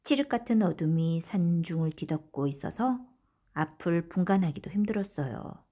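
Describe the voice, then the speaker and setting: A woman narrating a folktale audiobook for bedtime, in a gentle, breathy storytelling manner. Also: fairly low pitch, animated, normal speed.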